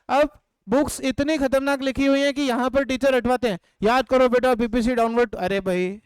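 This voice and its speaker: High-voiced man teaching a class. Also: a little mellow, clear, resonant tone, no room sound. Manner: asks the class questions and prompts answers; drills points with call-and-response. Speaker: economics teacher. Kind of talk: live class lecture. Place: classroom or home studio.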